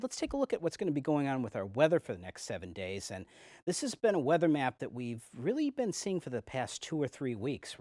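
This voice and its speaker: A male weather presenter delivers a forecast in a folksy, conversational manner. His pitch moves in lively, animated swings, and the recording is dry and close. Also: no room sound.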